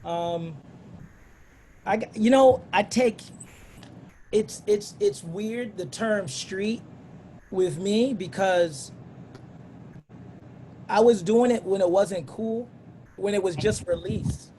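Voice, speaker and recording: A man's voice: high voice, takes it slowly, pauses often, dark tone, slight background noise, low-quality recording. A middle-aged man on a dance panel, talking in a loose, conversational way with many restarts and asides. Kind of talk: casual panel discussion.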